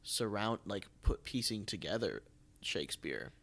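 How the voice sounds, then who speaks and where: American guy chatting on a podcast, creaky voice, kinda thinks out loud and restarts a lot. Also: lowish voice, animated. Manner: musing, halting, thinks aloud. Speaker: podcast host and theatre artistic director. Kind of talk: casual podcast conversation.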